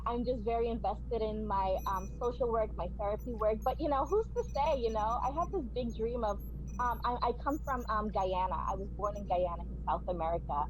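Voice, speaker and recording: A woman's voice: on the high side, a little fast, a little hiss or hum, poor audio. A woman from New York City, guest on a podcast, talking earnestly and passionately, often restarting her sentences. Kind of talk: heartfelt interview talk.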